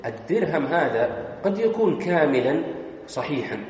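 A man's voice: on the high side, sing-song, moderate pace, darkish tone. A man teaching Islamic law in a classroom lesson, explaining step by step and quizzing his students with questions. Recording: very echoey hall.

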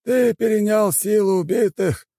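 A man voicing a scheming, dismissive old shaman elder in a fantasy audiobook, with a drawn-out, strained high voice. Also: dark tone, no echo, clean studio sound. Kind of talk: audiobook character voice.

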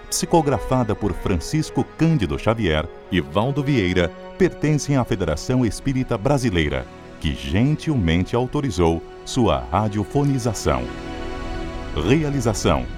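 A man reading a formal, declamatory radio drama announcement. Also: lowish voice. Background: music.

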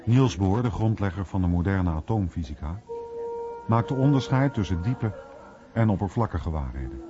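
A man narrates a radio documentary from a script, solemn and measured. His voice sits low over clear music, on a slightly dull recording.

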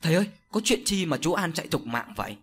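A man's voice: fairly high pitch, sing-song, fast, a bit bright, slightly rough, faint music behind, heavily acted. A man voicing a young errand boy asking eager questions in an audio story. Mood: curious. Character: young male shop errand boy, curious.

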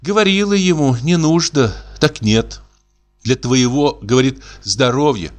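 A man's voice: mid-range voice, a little slow, voice pushed up, lightly acted. A man reading aloud and voicing an elderly mother who frets, sighs and calls on God. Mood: fretful. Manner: sighing, fussing, prayerful exclamations. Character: fretful elderly mother, pious and doting.

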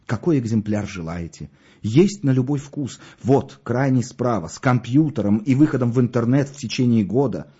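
A man voicing a smooth-talking middle-aged undertaker who gushes over his wares. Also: mid-range voice, animated, normal speed, warm tone, lo-fi sound. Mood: unctuous. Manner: salesman's patter, swooping with enthusiasm. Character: oily, gushing middle-aged male undertaker.

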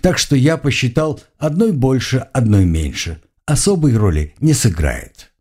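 A man's voice: medium pitch, measured pace. A man narrating a first-person adventure audiobook expressively. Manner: expressive, shifting voices for dialogue.

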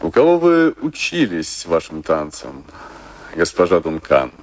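A man's voice: low voice, wildly swooping pitch, a little slow, full character voice. An actor playing an earnest, thoughtful male theatre director in a radio drama, courteous and reflective in his manner. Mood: probing.

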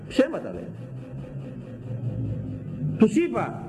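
A male preacher delivers a passionate sermon, hammering words over and over. His pitch swings widely, from low and steady to sharp high cries. The sound carries a long reverberation, as if from a church hall. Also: music in the background. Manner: impassioned, repetitive, rising to high exclamations.

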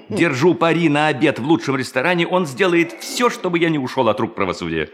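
A man acting in a radio play as a charming, glib, scheming young bank clerk, with a jovial, flattering, theatrical manner. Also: a little high, a little fast, a little hiss or hum. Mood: jovial, teasing.

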